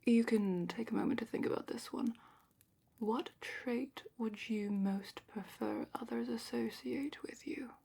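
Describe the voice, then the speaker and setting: A woman playing a calm, attentive dragon matchmaker in a slow, whispered ASMR roleplay with thoughtful pauses. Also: a little high, exaggerated voice. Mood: calm, curious. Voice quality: breathy, whispery. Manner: slow, gentle, thoughtful questioning with murmured pauses. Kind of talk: soft-spoken ASMR roleplay, largely whispered.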